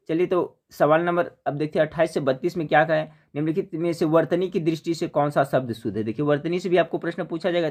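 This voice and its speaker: A man runs through practice questions for an exam. He poses each question, pauses for a guess, then gives the answer. He keeps telling listeners to remember and calls them friends. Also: fairly high pitch, a little mellow. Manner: addresses viewers as friends, repeats "remember", asks then answers. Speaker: exam prep teacher. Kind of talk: quiz-style Hindi grammar lesson.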